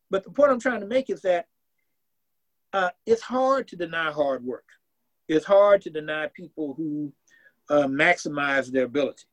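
Around sixty and from the American South, he speaks with a little high voice as an academic guest in a casual interview. He's earnest and thinks aloud, frequently starting phrases over.

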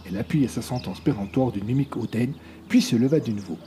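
A man reading a story aloud as narrator, expressive and shifting his voice between characters. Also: fast talker, a little hiss or hum. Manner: expressive, varies pitch widely between characters. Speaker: audiobook narrator. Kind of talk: scripted narration.

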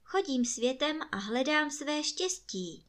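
An eager, polite young wanderer from a fairy tale, as a woman reader puts him on, speaking in a raised, bright voice. He sounds willing and earnest. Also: sits high, animated, pitched above the performer's own voice.

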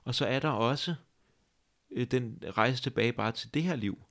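A man hosting a conversation, speaking in a thoughtful, halting way with many restarts. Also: medium pitch, a bit bright. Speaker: podcast host. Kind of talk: reflective conversation.

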